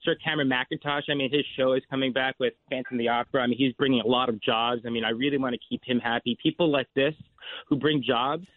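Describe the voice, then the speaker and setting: A man calls in to talk up his run for city office, upbeat and full of repeated slogans. His voice comes through a narrow, tinny phone line with no room around it. Middle pitch, plain delivery. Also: steady tone, fast talker, no room sound. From New York City. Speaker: guest, candidate for city controller. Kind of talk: campaign talk on a radio show.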